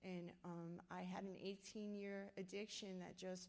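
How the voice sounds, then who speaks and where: A woman speaks with an American accent in a monotone, flat intonation. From New York City. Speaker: ministry team leader, former addict. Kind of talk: testimony and ministry presentation. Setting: church stage with audience.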